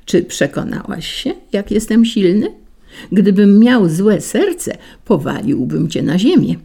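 A woman's voice: mid-range voice, very animated, slow pace, creaky, dark tone, husky, heavily acted. A woman voicing a spiteful, boastful male wind in a storybook tale, sly and taunting. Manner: sly and taunting, rising to bluster.

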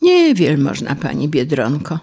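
A woman's voice: low-pitched, wildly swooping pitch, a little slow, a little mellow, husky, exaggerated voice. A woman voicing a weak, starving male grasshopper who begs for help in a plaintive way. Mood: pleading.

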